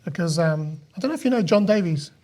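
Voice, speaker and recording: Guy with a pretty high voice hosting a podcast, just chatting casually with his guest. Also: expressive, quick pace, warm tone. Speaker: podcast host. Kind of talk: casual interview chat.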